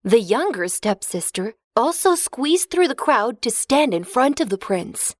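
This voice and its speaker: A woman narrating a children's fairy tale in a clear, expressive storybook reading. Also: on the high side, unhurried, no echo, clean studio sound.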